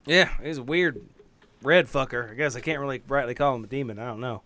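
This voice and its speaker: A man with a medium-pitched voice improvises his part in a tabletop game. He is casual and wry, feeling out his phrasing with a folksy turn. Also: fast, bright, forceful tone, no room sound. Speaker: tabletop game player on a podcast. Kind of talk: casual improvised role-play narration.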